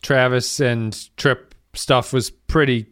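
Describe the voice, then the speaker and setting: A man's voice: mid-range voice, steady tone, slow pace, a bit bright, clean tone, no echo, clean studio sound. A man co-hosting a podcast in casual chat, hesitant with many restarts and frequent laughter. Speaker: podcast co-host.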